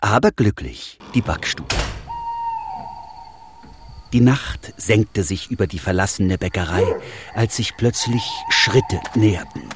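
A man's voice: medium pitch, background noise. A man narrating a Christmas fairy tale for children in a storytelling manner. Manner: warm storytelling.

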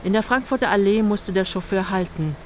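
A woman's voice: medium pitch, brisk, darkish tone, a little hiss or hum. An older woman narrating a radio play in clipped, terse literary prose.

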